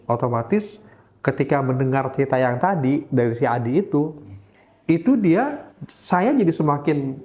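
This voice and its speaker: A man in easygoing conversation tells a personal story at a mid-range pitch. He slips into the voices of the people he describes and often hunts for the right word along the way. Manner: animated, acts out the voices of people in his story; searches for words with frequent fillers. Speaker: interview guest recounting a religious conversion.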